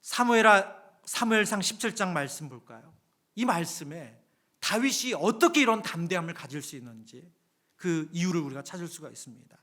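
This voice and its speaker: A man preaching a Friday evening sermon in a church sanctuary, his voice pitched high and ringing bright. He keeps it conversational and acts out everyday scenes. He swings from loud exclamations down to hushed whispers. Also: expressive, normal speed. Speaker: pastor.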